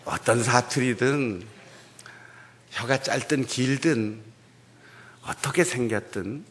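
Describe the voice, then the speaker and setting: A male pastor giving a humorous, animated sermon in a church, playing with regional dialects. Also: medium pitch, slow. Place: church sanctuary.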